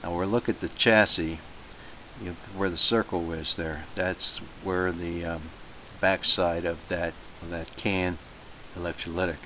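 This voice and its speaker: A man giving a casual, halting how-to narration of his own hobby repair, thinking aloud as he goes. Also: low-pitched, poor audio. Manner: halting, thinking aloud with self-posed questions. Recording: hissy home recording, steady noise.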